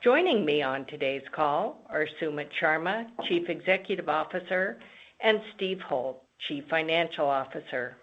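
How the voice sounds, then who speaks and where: A woman's voice: low-pitched, lively intonation, moderate pace, fairly bright tone. A woman formally reading a scripted disclaimer as the moderator of a company conference call. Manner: formal, reads long lists item by item. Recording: dull, band-limited conference call audio.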